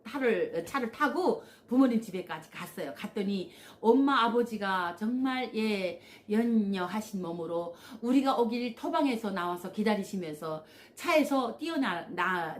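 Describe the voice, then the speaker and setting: A woman tells her personal story to her channel's viewers. Her pitch sits in a middle register for a woman. She is animated, acts out the voices in her story, and leans on small fillers like "yes" and "uh". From North Korea. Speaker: channel host.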